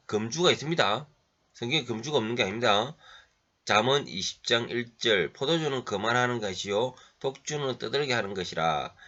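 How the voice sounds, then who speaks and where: Throat-clearing man preaching, dull lo-fi sound. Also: on the low side, pushed and bright. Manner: halting delivery, frequent throat clearing and fillers. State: has a head cold. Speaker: pastor. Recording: dull lo-fi recording.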